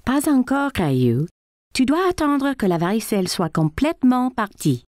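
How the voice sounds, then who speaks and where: A woman voicing a caring, patient young mother in a children's cartoon, speaking in a gentle, reassuring and expressive way. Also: a little high, moderate pace, dry recording, studio quality. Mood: gently firm.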